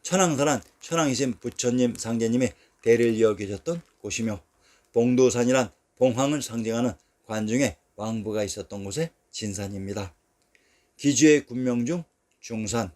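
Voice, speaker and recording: A man with a voice of ordinary pitch reads a scripted history narration. He keeps a steady, measured delivery as he works through long lists of place names.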